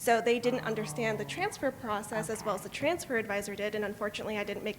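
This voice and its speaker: Very fast speech in a Californian accent, fairly even intonation, and noticeable background noise. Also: woman. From California, Davis area. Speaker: transfer student ambassador. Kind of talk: panel discussion.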